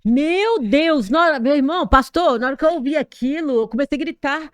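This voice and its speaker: A woman's voice: sits high, lively intonation, a little fast, dry recording, studio quality. A woman pastor with a Brazilian accent giving a dramatic personal testimony as a podcast guest, telling it vividly with sound effects. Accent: Brazilian Portuguese. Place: podcast studio.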